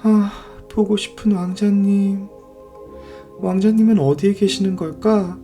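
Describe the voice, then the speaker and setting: Storybook mermaid girl, acted by a man: high-pitched, innocent, yearning. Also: steady tone, a little slow, warm tone, faint music behind. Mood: longing, curious. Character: young mermaid princess, longing and innocent girl.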